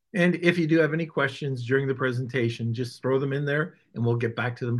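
With a normal speaking voice, the speaker moves at a fairly quick pace and shows ordinary pitch variation. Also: man. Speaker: podcast host. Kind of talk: casual chat. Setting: video call.

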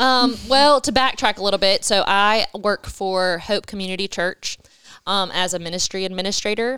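A woman speaks in a normal speaking voice at a medium pitch, with ordinary pitch variation and a moderate pace. The recording is very clean, with a silent background and a dry, close sound with no echo. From US South, Wilmington, North Carolina. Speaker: church ministry administrator and mom. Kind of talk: casual chat.

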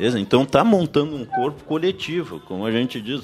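A man with a fairly high pitch and vocal fry talks at a fairly quick pace with lively intonation. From Pelotas, Rio Grande do Sul, Brazil. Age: 50s. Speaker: council president. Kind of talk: radio interview. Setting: radio studio.

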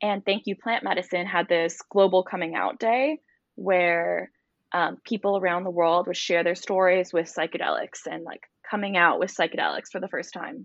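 Her voice is a plain, everyday voice, medium in pitch for a woman, with ordinary pitch variation and a moderate pace. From Toronto, Canada. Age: 20s. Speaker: retreat host and TikTok content creator. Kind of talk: casual chat.

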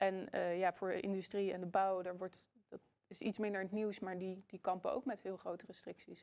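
A woman talks at a medium pitch and a fairly quick pace. Her intonation stays monotone and flat. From Netherlands, The Hague. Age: 20s. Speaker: politician and biochemist. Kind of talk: interview.

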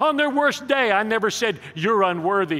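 A man's raised, projected voice has a bright, sharp tone and lively intonation. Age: 60s. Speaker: pastor. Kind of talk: sermon. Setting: church.

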